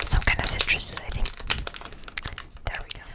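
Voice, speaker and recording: The woman speaks in a whisper. Noticeable background noise can be heard. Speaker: ASMR creator. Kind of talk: ASMR slime unboxing. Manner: soft-spoken.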